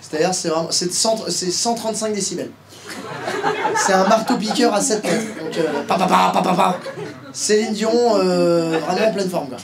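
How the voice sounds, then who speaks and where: A man's voice: sits high, moderate pace. A man doing live stand-up in a comedy club, playful and teasing, with many fillers, as he banters with the crowd. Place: comedy club stage before an audience. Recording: loud noisy live club recording. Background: audience laughter.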